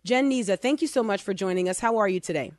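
A woman's voice: medium pitch, lively intonation, fast talker, darkish tone, dry recording, studio quality. A woman in her forties hosting a Christian talk show, earnest and chatty, with frequent restarts and fillers. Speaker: podcast host.

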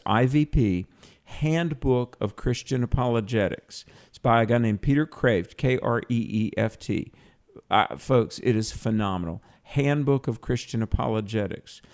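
Male evangelical radio co-host, medium-pitched voice, call-in talk. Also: darkish tone. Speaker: radio co-host, Christian author.

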